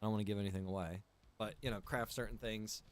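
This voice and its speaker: A man's voice: fairly low pitch, fairly even intonation, fast talker. A man talking casually and easily to viewers as he hosts a live gameplay stream, chatty and direct. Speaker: game streamer and server admin.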